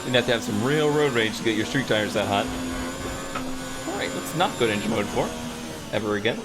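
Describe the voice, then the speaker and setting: A man's voice: on the low side, a little fast, heavy background noise. Man with a worn, fading voice. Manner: relaxed, self-deprecating, talks to viewers. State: losing his voice. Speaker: gaming YouTuber. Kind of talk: casual gameplay commentary.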